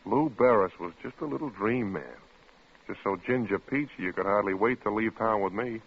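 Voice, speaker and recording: An actor playing a put-upon, jobless husband in an old radio drama, weary, defensive and dry. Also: male voice, fairly low pitch, normal speed, husky. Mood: tired, sardonic. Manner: curt, dry retorts. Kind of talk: 1940s-50s radio drama acting. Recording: muffled, noisy old phone-like radio recording.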